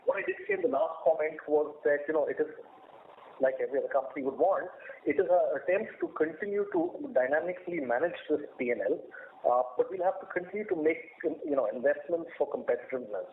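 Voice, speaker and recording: A man with an Indian accent explaining things in a measured way as a company executive answering analysts on an earnings call. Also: a little high, huge pitch swings. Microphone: conference call line. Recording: tinny phone line with faint noise.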